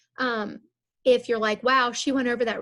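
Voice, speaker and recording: Her pitch sits high. The woman's delivery moves at a fairly quick pace. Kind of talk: webinar presentation.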